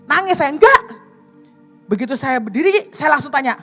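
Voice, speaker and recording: A woman evangelist preaching a sermon in a lively, conversational way, telling a personal story and often addressing the congregation directly with tag questions and dramatic pauses. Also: high voice, creaky, soft background music. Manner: animated, addresses listeners as brothers and sisters.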